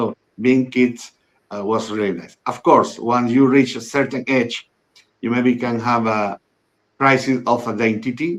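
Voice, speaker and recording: A man speaks with a Spanish accent. His medium-pitched voice keeps a fairly even intonation. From Spain. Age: 50s. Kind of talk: interview.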